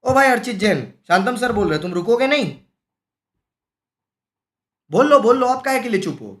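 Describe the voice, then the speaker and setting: A man teaching a live-streamed exam-prep class, animated and scolding, full of rhetorical questions. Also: extremely high pitch, normal speed. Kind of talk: lively live-streamed lecture. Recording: echoey room.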